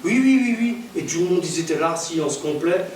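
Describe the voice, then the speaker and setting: Guy preaching a storytelling sermon, kinda high voice, far from the mic in a big echoey church. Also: fairly quick. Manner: lively, loud bursts, laughs and acts out dialogue. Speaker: evangelist preacher. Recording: echoey church hall from far off, faint hiss.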